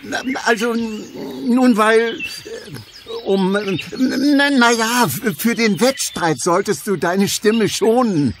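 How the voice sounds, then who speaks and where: A man playing a small, shrewd Gaulish warrior in a comic audio drama, brisk, wry and coaxing. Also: sits high, a little hiss or hum.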